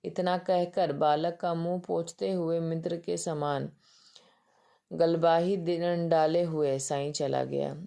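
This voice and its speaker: A woman teacher reading a story aloud for her class in a steady, measured way. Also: sits low, gravelly.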